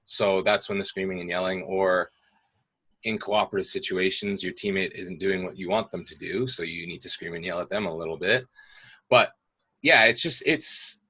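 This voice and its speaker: A young man casually explaining gaming on a call, relaxed and explanatory, with plenty of fillers. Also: low-pitched, moderate pace, slightly rough. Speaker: guest speaking about gaming. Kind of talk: casual video call discussion.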